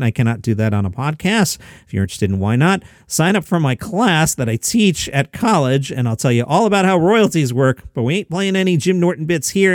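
A man hosting a comedy news podcast in a relaxed, rambling way, his voice sitting a little high and sounding winded. The sound is dry and close, with no room around it. He drifts into asides before getting back on track. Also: dry recording. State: out of breath. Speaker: podcast host. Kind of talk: casual chat. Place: home basement.

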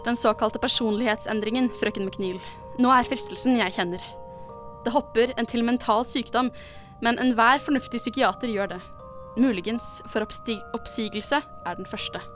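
A woman reading the part of a calm doctor, stumbling over medical terms. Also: fairly high pitch, faint music behind, natural voice. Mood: clinical. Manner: plain read-aloud, stumbling on medical terms.

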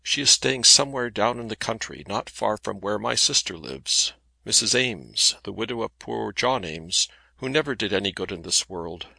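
A man's voice: on the low side, expressive, normal speed, creaky, sharp tone, no echo, full character voice. A man reading aloud gives voice to a cheery, talkative middle-aged male solicitor who speaks in a hearty, bluff way.

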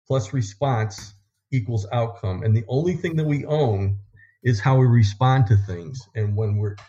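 A man who is a guest author, talking quickly and with enthusiasm about positivity and habits in a casual conversation. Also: mid-range voice, mellow, muffled recording. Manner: fast-talking, enthusiastic, motivational.

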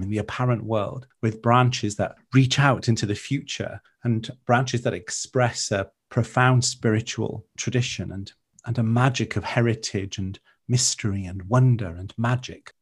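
Welsh-accented male guest, native Welsh speaker, mid-pitched, speaks in slow poetic turns. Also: slightly rough. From Wales. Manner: measured, lyrical and reflective. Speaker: guest, author. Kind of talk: interview conversation.

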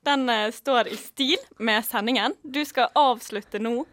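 A woman hosting a word quiz in relaxed radio chat, playful and full of small pauses. Her voice sits a little high and the studio sound is dry and close. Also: no echo. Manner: playful, with frequent filler pauses. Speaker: quiz host.

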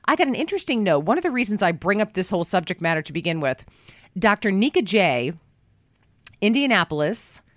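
A woman hosting a talk radio show from a studio, chatting in a folksy, upbeat way, her voice worn low after travel. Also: very animated, fairly quick, no echo. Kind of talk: talk radio monologue with live ad reads. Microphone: studio microphone.

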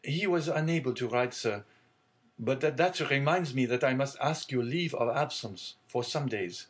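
A man reading aloud and voicing an earnest, respectful young sailor who speaks gravely and eagerly. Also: mid-range voice, normal speed, lightly acted. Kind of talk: audiobook character reading.

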